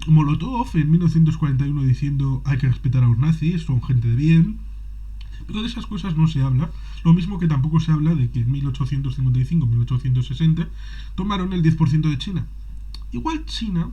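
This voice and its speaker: A man talking in a casual conversation, sarcastic and animated, acting out mocking quotes. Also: medium pitch, breathy edge. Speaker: conversation guest. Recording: dull lo-fi audio.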